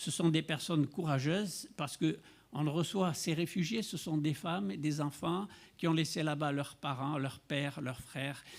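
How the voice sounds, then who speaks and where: In a very clean recording with a silent background, a man with a fairly high pitch speaks at a fairly slow pace. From French Algeria. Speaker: municipal councillor. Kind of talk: council floor speech. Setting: municipal council chamber. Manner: halting, many hesitations.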